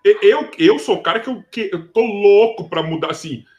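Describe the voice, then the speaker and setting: Slangy Brazilian man, slightly high voice. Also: normal speed, a little mellow. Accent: Brazilian Portuguese. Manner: informal, slangy, swearing, repeats words. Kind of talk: casual slangy podcast chat.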